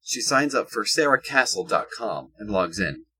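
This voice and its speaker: A man narrating a scripted audio drama in a husky voice. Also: fairly low pitch, very animated, normal speed, bright, forceful tone.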